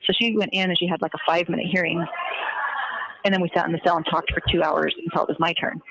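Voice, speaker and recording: A woman's voice: lowish voice, steady tone, fast, background noise. A woman recounting events matter-of-factly and step by step in casual conversation on a recorded jail phone call.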